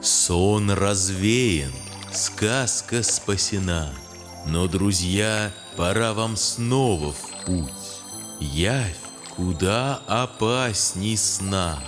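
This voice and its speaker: A man playing a solemn, wise fairy-tale guide who speaks in measured poetic verse for a cartoon. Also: sits low, lively intonation, exaggerated voice. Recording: music behind the voice.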